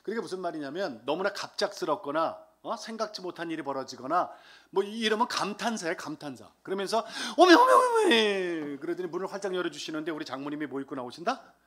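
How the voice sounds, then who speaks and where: Lively storyteller man, bright voice. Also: on the high side, fast. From Seoul. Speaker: lay deacon giving testimony. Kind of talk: humorous church testimony. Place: church service.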